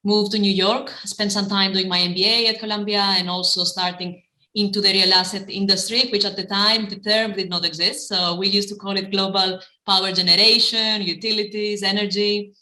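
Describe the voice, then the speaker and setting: Woman, bright voice, echoey room, measured, lots of ums. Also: medium pitch, level tone. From Greece. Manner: measured, with frequent fillers and restarts. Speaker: guest, private equity managing partner. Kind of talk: conversational interview answers.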